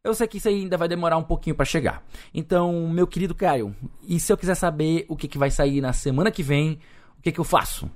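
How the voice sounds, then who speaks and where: Brazilian podcast host thinking aloud. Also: male voice, a little high, quick pace. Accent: Brazilian Portuguese. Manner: thinks aloud, speculative, with restarts. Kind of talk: casual podcast chat.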